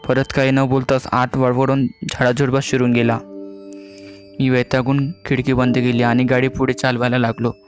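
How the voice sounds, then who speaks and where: Male storyteller, flat even horror narration, light music underneath. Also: mid-range voice, normal speed. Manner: even, steady storytelling delivery. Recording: faint music behind the voice.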